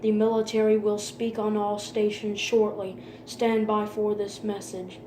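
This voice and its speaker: A woman's voice: medium pitch, a little slow. A woman reading a scripted emergency broadcast announcement in a formal, impersonal manner. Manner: formal, impersonal, flat delivery. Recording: roomy echo with faint background noise.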